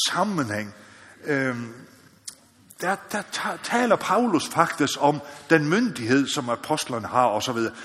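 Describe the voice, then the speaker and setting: A man from the Faroe Islands preaching a sermon in an earnest, searching way, often checking in with his listeners and building up to loud calls. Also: a little high. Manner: earnest, repeats "ikke også?", rises to loud exhortation. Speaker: missionary preacher. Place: church or meeting hall. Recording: long hall reverb.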